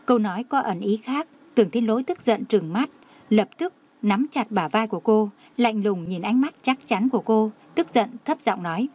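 A woman narrating a romance novel audiobook in a steady storytelling manner. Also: medium pitch, normal speed.

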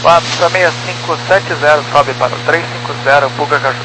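Higher-voiced Brazilian pilot man over noisy radio. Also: steady tone, a little fast. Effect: aviation radio. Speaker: airline pilot on air traffic radio. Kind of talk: clipped radio phraseology. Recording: noisy humming aircraft radio transmission.

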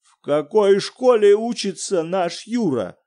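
A man reading an audiobook, voicing an excitable elderly academic who shouts in loud, theatrical bursts. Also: high voice, measured pace, pitched above the performer's own voice. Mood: frantic. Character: excitable elderly male academic, pompous then frantic.

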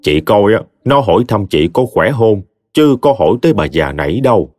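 A man's voice: fairly low pitch, sing-song, moderate pace, no room sound, clean studio sound, faint music behind. A man voicing a bitter, proud old grandmother who speaks sharply. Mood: resentful. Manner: sharp, resentful.

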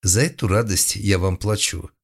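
Stern bossy woman as a deep-voiced man reads her, curt, clipped orders, audiobook character. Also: normal speed, gravelly, breathy edge. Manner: curt and authoritative. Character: stern, commanding adult woman.

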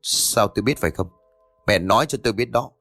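Anh chồng giận dữ do người kể đóng, buộc tội gay gắt, âm khô sát mic. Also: male voice, lowish voice, fairly quick, fairly bright tone, no echo, soft background music. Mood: angry. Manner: stern, accusing. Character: angry young husband, accusing his wife.

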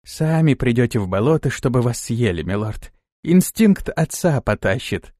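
A man voicing a dutiful female servant in an audiobook, speaking in a quiet, lifeless, slow voice. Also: medium pitch, lively intonation, no room sound, clean studio sound, close to an everyday voice.

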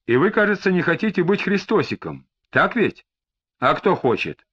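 A calm police detective, as a male reader does him, asking measured questions with faint disdain. The intonation moves a good deal in a slightly high voice. The recording sounds a bit dull and lo-fi. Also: slightly rough, heavily acted. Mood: probing.

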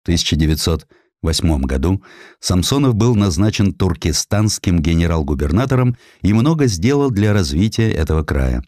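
A man with a deep voice narrates historical prose like a storyteller. His delivery is measured and theatrical, and the sound is dry, with no room around it. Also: big pitch swings, a little mellow, no echo. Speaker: audiobook narrator.

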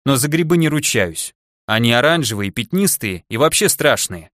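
A man's voice: medium pitch, big pitch swings, moderate pace, fairly bright tone, dry recording, clean studio sound. A man voicing a cheerful, teasing male craftsman friend in an audiobook. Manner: grinning, teasing.

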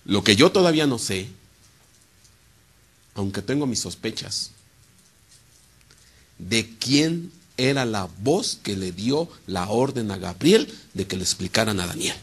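A man delivers a sermon, posing rhetorical questions and answering them himself while swinging between loud emphasis and quiet, low asides. His voice is expressive and slightly rough, his pace unhurried, with long pauses.

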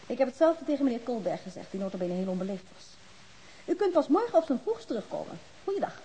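A woman's voice: a little high, very animated, fast talker, warm tone, poor audio. A woman playing a strict, bossy hospital nurse with a scolding manner in a Dutch radio drama. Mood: stern, indignant. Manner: stern, scolding. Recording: hissy old radio drama recording.

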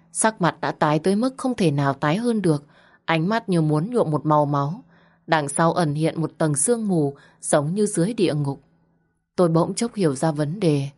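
A woman narrating a dramatic first-person story in a steady, scripted read. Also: deep voice.

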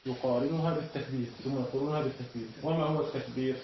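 A man teaching a classroom lesson, often pausing mid-sentence so his students can finish his words. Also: medium pitch, fairly even intonation, a little hiss or hum. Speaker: teacher of Islamic jurisprudence. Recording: echoey, distant, dull room recording.

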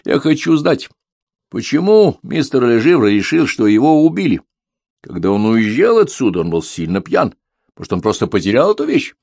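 A man voicing a hot-tempered, jealous husband in an audiobook, speaking in an agitated, forceful way. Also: mid-range voice, sing-song, moderate pace, no room sound, pitched above the performer's own voice. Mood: demanding.

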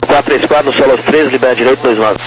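A man's voice: mid-range voice, fairly even intonation, racing. A man working as an air traffic controller, giving clipped procedural instructions over the radio. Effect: radio transmission. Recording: faintly noisy, humming aviation radio.

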